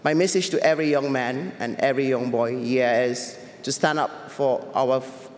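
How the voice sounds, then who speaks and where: A man's voice: medium pitch, steady tone. Earnest young man in an echoey hall. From Cameroon. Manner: earnest, measured, with small restarts. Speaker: youth advocate speaker. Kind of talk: prepared personal talk. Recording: echoey hall with long reverb.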